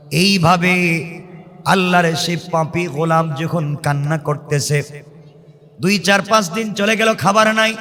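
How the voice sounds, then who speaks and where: High-voiced male preacher, long reverb. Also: pushed and bright. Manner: plaintive, dramatic, repetitive phrasing with drawn-out calls. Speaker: Islamic preacher. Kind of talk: emotive storytelling sermon, chanted in places.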